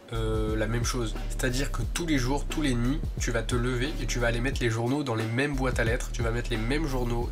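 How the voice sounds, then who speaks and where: A young man with a stuffy, congested voice chats casually to his viewers, wandering through his points with plenty of fillers. His pitch sits in the middle, and music plays clearly behind him. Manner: chatty, rambling, with many fillers. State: stuffy nose from a cold. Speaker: vlogger. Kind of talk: casual vlog chat.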